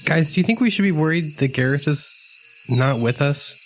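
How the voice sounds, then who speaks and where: A man's voice: fairly high pitch, expressive, normal speed. A man playing a tabletop game with friends, talking casually in character in a hesitant, rambling, slangy way. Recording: music playing under the voice.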